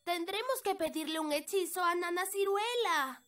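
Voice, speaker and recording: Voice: very high voice, normal speed, fairly bright tone. A performer voicing an eager, practical young elf boy in a children's cartoon, with a Latin American Spanish accent. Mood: earnest. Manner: childlike, matter-of-fact.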